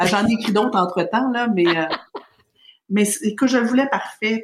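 A woman talks with a Quebec accent, her voice somewhat breathy. Her intonation stays fairly even. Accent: Québécois French. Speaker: parenting coach and author. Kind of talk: interview.

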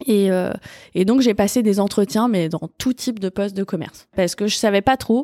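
A woman's dark, mellow voice at a fairly quick pace, ordinary pitch variation, dry and close with no echo, in a very clean recording with a silent background. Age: 40s. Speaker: innovation consulting executive. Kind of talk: casual interview. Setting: studio, in person.

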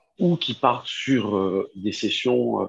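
A man speaks with vocal fry. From Nice, southern France. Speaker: tattoo artist. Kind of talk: interview. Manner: halting, repeats words.

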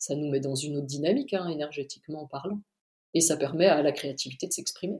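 A woman's fairly low voice at a very fast pace, with ordinary pitch variation. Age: 40s. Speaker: magazine creator. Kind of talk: casual chat. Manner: halting.

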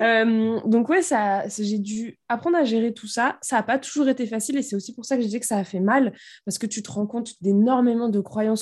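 A woman talks at a fairly quick pace, her voice fairly high and somewhat breathy. The background is quiet. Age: 30s. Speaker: marketing coach and entrepreneur. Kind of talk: casual chat.

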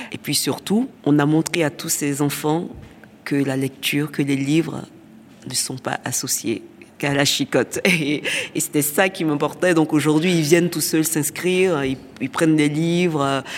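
A woman speaks at a fairly slow pace in a very deep, low voice, with noticeable background noise behind her. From Côte d'Ivoire, Abidjan (Yopougon). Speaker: comic book author. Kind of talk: interview storytelling. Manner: halting, many repetitions and fillers.

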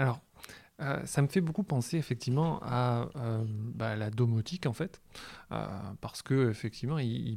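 Dark, mellow male tone, recorded very cleanly with utter silence behind it. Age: 30s. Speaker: podcast host, photographer. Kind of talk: interview.

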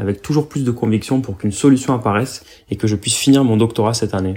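The voice has fairly even intonation and a dark, mellow tone, and it moves at a very fast pace. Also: man. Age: 30s. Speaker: physics PhD student and Buddhist practitioner. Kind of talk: testimony.

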